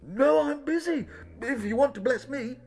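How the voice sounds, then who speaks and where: A man's voice: very high-pitched, moderate pace, gravelly, a little mellow, pitched above the performer's own voice. A man voicing a cheeky, boastful rabbit trickster prince, calling out shrilly in a radio play. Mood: cheeky defiance.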